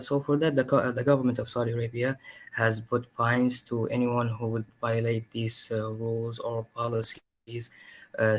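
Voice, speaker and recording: A man's voice: mid-range voice, rough recording. A young man from Eritrea giving a student presentation online, hesitant and full of fillers.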